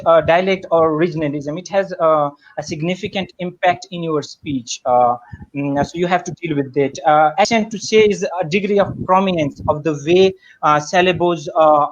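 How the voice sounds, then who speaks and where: A man's voice: fairly high pitch, highs cut off, a little hiss or hum. A man giving a spoken lesson on public speaking, hesitant and full of fillers and restarts. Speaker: guest speaker.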